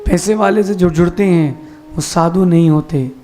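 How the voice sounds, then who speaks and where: A man, a Jain monk, giving a sermon with slow emphatic explanations and rhetorical questions. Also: sits high, warm tone, soft background music.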